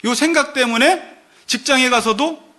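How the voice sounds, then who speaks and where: A middle-aged man preaching a sermon as pastor, animated, now and then acting out the voices of churchgoers. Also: very high voice, moderate pace. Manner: animated, acts out congregants' voices in quotes.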